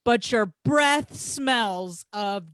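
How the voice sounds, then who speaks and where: Woman playing a high-pitched, brash male wrestler. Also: lively intonation, fairly bright tone, no echo, exaggerated voice. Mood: taunting, cocky. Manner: taunting, crude, grandiose, drawn-out emphatic delivery. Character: brash, boastful male pro wrestler cutting trash-talk promos. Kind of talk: staged reading of wrestling promos.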